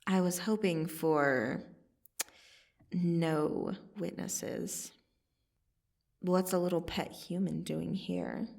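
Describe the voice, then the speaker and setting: Casting: woman to voice female vampire assassin, ASMR audio drama. Gravelly fry, sardonic and casually threatening, slightly off-mic. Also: on the low side, fairly even intonation, darkish tone, far from the mic, full character voice. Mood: cool, curious. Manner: slow, casual, sardonic delivery with long pauses. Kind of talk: ASMR roleplay monologue to the listener.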